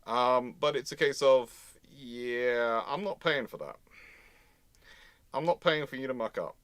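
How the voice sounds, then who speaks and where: A man's voice: mid-range voice, animated, unhurried, a bit bright, no room sound. A man with a British accent hosting an unscripted live chat, rambling and rephrasing himself as he explains. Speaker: host of a live history stream.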